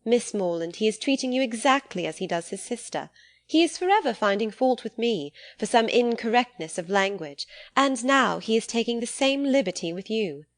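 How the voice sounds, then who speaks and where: A woman voicing a sensible, gently wry young lady in an audiobook, composed and articulate with formal phrasing. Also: fairly high pitch, lively intonation, moderate pace, no echo. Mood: gently scolding.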